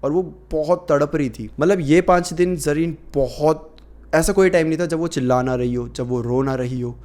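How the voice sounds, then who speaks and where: A man's voice: on the high side, moderate pace, a little mellow. A man narrating a horror story in a casual, conversational way with many fillers.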